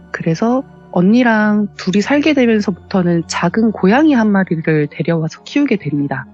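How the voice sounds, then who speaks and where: A woman's voice: mid-range voice, a little mellow, muffled recording. A woman politely telling her own ghost story in a conversational, explanatory way. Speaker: caller telling a personal story. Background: background music.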